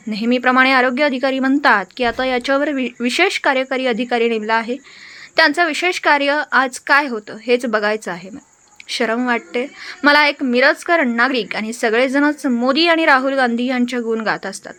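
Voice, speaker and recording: A woman's voice: sits high, pushed and bright. A woman news reader earnestly reading out a resident's indignant complaint as a regional news report.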